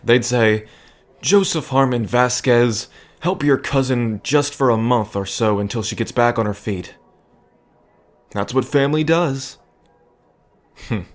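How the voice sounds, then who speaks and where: A man playing a gentle, nervous bartender who rambles earnestly and hesitantly, in an intimate audio drama. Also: mid-range voice, measured pace, pauses often, natural voice. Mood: wry, chatty. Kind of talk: intimate audio drama acting addressed to listener.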